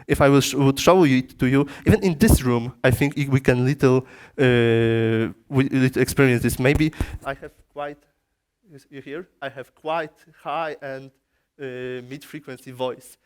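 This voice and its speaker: Polish guy lecturing, halting english, lots of restarts, mid pitch, over a pa in a conference room. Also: steady tone, a little mellow, clear, resonant tone. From Poland. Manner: halting non-native phrasing with frequent restarts. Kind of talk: technical lecture. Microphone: through a PA system.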